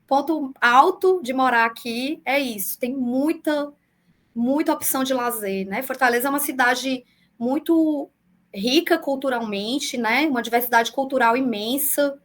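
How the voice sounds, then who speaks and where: A woman in her forties with a Brazilian accent that mixes southern and northeastern sounds, answering interview questions over a video call in a measured, explanatory way with frequent fillers. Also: high voice. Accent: mixed southern Brazilian and northeastern Brazilian Portuguese. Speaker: public defender.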